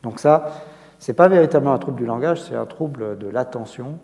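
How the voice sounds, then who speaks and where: A man answers questions from the floor in a lecture hall, pausing, restarting and explaining carefully. His voice is dark and mellow, with a long reverb from the hall around it. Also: mid-range voice. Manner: measured explanatory, many hesitations and restarts. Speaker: memory centre director answering audience questions. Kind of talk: public lecture Q&A.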